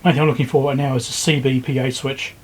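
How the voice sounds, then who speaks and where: A man giving casual, low-key commentary as he works, thinking aloud step by step like a repair video host. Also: level tone, racing, darkish tone, a little hiss or hum. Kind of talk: casual hands-on commentary while working. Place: indoor repair workbench.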